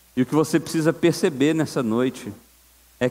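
A man's dark, mellow tone with a Brazilian accent. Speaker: pastor. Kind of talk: sermon. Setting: church. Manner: earnest, preaching cadence, rhetorical questions.

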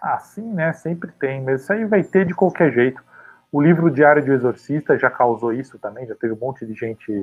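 With a São Paulo accent, a man speaks at a moderate pace in a fairly high pitch with lively intonation. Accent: Paulistano Brazilian Portuguese. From Brazil, São Paulo city. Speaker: paranormal storyteller and author. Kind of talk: casual interview chat. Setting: live video stream.

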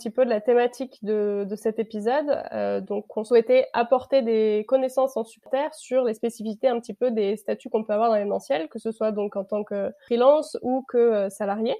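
A woman with a plain, everyday voice, fairly high in pitch, with ordinary pitch variation and a moderate pace. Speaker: podcast host. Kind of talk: podcast interview.

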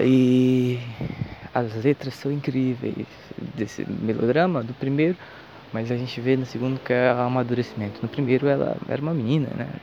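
A man speaks with fairly even intonation. Noticeable background noise is audible. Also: medium pitch for a man, moderate pace. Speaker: solo podcaster. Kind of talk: casual monologue. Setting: at home while cooking. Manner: halting, stammers when improvising.

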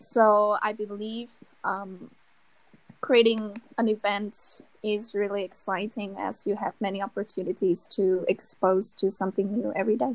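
A woman's medium-pitched voice at a fairly slow pace, with monotone, flat intonation. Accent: Vietnamese. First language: Vietnamese. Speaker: university student. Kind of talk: casual chat.

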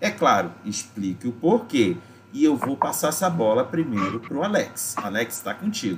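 Speaking at a moderate pace, a man with a fairly high voice makes very wide pitch swings. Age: 20s. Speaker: RPG streamer and host. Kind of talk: casual panel discussion.

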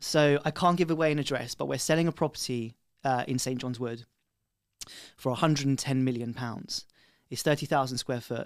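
A man with a London accent speaks at a fairly quick pace and a medium pitch. His intonation is fairly even, and the recording is very clean with a silent background. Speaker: luxury real estate advisor. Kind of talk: casual chat. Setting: studio.

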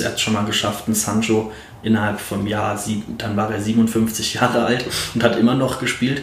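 A man's fairly low voice at a moderate pace, with audible room echo and noticeable background noise. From Germany, Mainz. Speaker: university student, esports fan. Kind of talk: casual chat.

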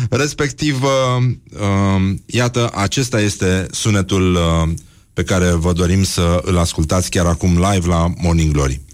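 The voice moves at a fairly slow pace with lively intonation. Its loudness stays very even throughout. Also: man, very deep, low pitch for a man. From Sălaj county, Romania. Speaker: morning radio show host. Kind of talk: casual chat.

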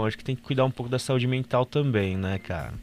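A man with a medium pitch speaks over music in the background. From São Paulo state, Brazil (Taubaté). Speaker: videographer. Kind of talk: casual chat.

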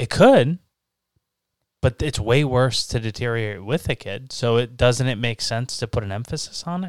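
The recording is very clean with a silent background, and the sound is dry and close with no echo. A man speaks in a normal speaking voice at a medium pitch with ordinary pitch variation. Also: moderate pace. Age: 30s. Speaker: podcast co-host, army soldier. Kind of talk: casual chat.

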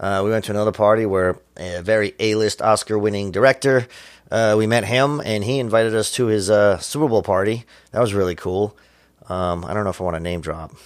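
A man with an American accent and a plain, everyday voice speaks at a fairly quick pace and a fairly low pitch, with ordinary pitch variation, on a very clean recording with a silent background. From US Northeast, Rhode Island. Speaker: comedic actor. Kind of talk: casual chat.

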